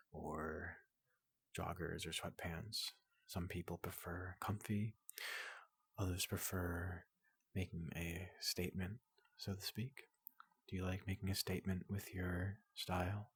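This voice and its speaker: A man voicing a tall, gentle robot doctor in soft ASMR roleplay, hesitant and politely clinical, often slipping into a whisper, close to the microphone. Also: low-pitched, no echo, exaggerated voice. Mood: gently curious. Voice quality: breathy, gravelly, often dropping into whisper.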